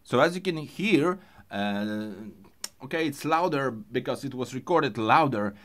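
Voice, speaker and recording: Man tutor, very slow halting delivery, faint piano behind. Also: mid-range voice, animated, a bit bright. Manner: halting, many fillers and restarts. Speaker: music gear tutorial host. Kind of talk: casual tutorial explanation.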